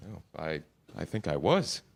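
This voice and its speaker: Man acting a dry, fussy, low-voiced amateur schemer. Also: big pitch swings, unhurried, gravelly, full character voice. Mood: reluctant, dry. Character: fussy, dry, determined male amateur burglar planning a heist. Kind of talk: staged comedy screenplay reading. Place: live staged reading in a church.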